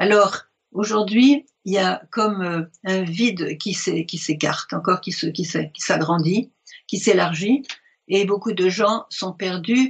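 At a very slow pace, a woman speaks in a somewhat breathy voice at medium pitch with ordinary pitch variation. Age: 70s. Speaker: religious teacher. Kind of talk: sermon. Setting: video recording. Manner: halting.

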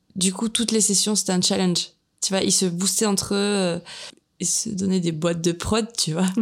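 This woman's voice has a medium pitch and a flat, monotone intonation. She keeps a moderate pace with very even loudness. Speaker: short film director and painter. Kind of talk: casual chat. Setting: host's home.

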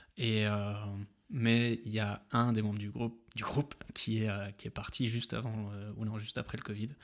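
The delivery is fairly slow, with monotone, flat intonation. The recording is very clean, with a silent background. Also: man. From north-eastern France, Moselle. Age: 30s. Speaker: software developer and entrepreneur. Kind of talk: casual interview. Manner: hesitant, many fillers.

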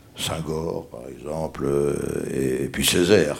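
A man speaks at a very slow pace with ordinary pitch variation. Noticeable background noise runs underneath. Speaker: poet and author. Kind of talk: literary conversation. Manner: halting, many repetitions.

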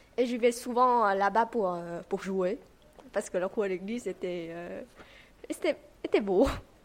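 A woman at a medium pitch in a Vietnamese accent, with ordinary pitch variation and long, frequent pauses. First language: Vietnamese (speaking French). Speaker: baptism candidate. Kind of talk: testimony. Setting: church.

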